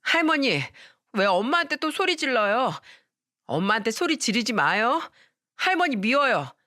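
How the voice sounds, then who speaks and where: Distressed little boy for a radio story, high-pitched and pleading, done by the narrator. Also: big pitch swings, normal speed, bright, forceful tone, exaggerated voice. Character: small distressed young boy.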